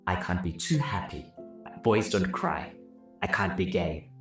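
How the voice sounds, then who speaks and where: Deep-voiced man telling his story. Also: a little slow. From Zimbabwe. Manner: reflective, earnest storytelling. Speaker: business and leadership coach. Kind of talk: personal story told over music. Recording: roomy, somewhat distant mic with soft music. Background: soft violin music.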